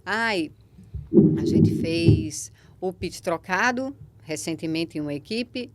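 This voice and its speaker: Speaking slowly but with animation, this podcast host has a fairly low-pitched voice and a Brazilian Portuguese accent. Her conversational interview style is emphatic and encouraging, and she frequently checks in with her listener through tag questions.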